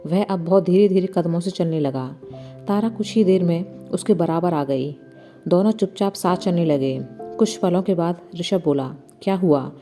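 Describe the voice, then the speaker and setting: A woman's voice: fairly low pitch, moderate pace. A woman reading a story aloud, narrating and voicing the figures' dialogue with mild changes in tone. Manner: reads the dialogue of several figures with mild shifts. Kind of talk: scripted narration with light character voices. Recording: soft music bed behind the voice.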